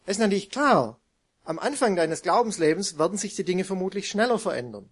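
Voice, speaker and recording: A man's voice: sits high, expressive, brisk. A man preaching a sermon to his congregation in a conversational way, often putting questions to his listeners.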